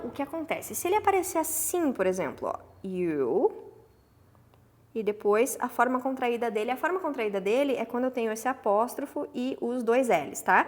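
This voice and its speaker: A woman with a Brazilian Portuguese accent teaching English phrases in a lively lesson. She says English examples slowly and often checks in with her students. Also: a little high. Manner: animated, stretches English examples slowly, frequent "tá?" check-ins.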